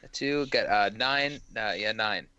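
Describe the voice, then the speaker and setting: A man's voice: fairly low pitch, a little slow, sharp tone, smooth, no echo, highs cut off. A man playing a tabletop game casually, self-deprecating and stammering on the first words of his sentences. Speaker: player.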